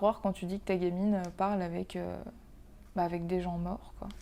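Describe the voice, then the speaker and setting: At a fairly quick pace, a woman speaks at medium pitch in a dark, mellow tone with monotone, flat intonation. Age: 20s. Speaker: book youtuber. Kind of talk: casual talk to camera. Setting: apartment. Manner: casual, joking.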